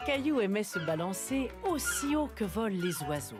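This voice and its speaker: A woman narrating a children's cartoon as a gentle storybook storyteller. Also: medium pitch, very animated, moderate pace, over music, close to an everyday voice. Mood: gentle storytelling.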